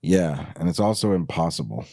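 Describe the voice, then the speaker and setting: A man's voice: low voice, lively intonation, moderate pace, vocal fry, dark tone, no room sound, studio quality. A man co-hosting a script reading with casual, crude, sarcastic banter. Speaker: co-host reading his old screenplay. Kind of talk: casual joking chat.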